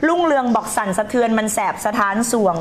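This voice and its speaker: A woman's voice: a little high, expressive, quick pace, slight background noise. A woman life coach hosting a live stream, talking emphatically, scolding and teasing her viewers and reading their comments aloud. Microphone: streaming setup.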